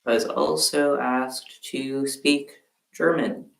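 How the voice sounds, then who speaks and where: Laid-back guy streaming crafts at home, slow, a bit of fry, echoey room. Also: mid-range voice, far from the mic. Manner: relaxed, halting, chats to viewers while working. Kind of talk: casual crafting livestream chat. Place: room at home, quilt behind. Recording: roomy sound from off-mic.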